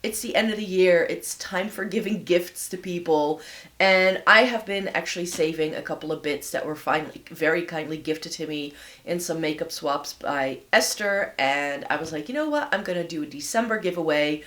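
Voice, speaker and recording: Slightly raspy woman chatting casually. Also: fairly low pitch, normal speed, a bit bright. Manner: friendly, rambling, thinking aloud with fillers. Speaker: beauty vlogger hosting a giveaway. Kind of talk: casual chatty product showcase. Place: home office indoors.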